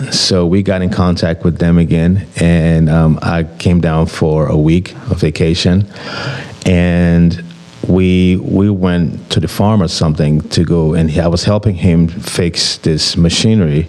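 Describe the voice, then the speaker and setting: Over noticeable background noise, a man with an African accent and a very deep, low voice speaks fairly slowly in a flat monotone. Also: very even loudness. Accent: non-Southern foreign accent (African). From West Africa (Liberia, refugee in Ghana). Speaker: actor and rapper. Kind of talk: interview. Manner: halting, many fillers.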